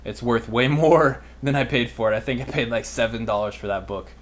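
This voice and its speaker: Answering viewers' questions on his business livestream, a young American man in his twenties mentors in a relaxed, slangy style. His mid-range voice moves a little fast.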